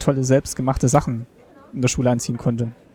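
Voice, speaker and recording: A man speaks at a very fast pace and medium pitch. Noticeable background noise can be heard. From Thuringia, East Germany (Gera). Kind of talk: casual chat. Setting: walking through a museum.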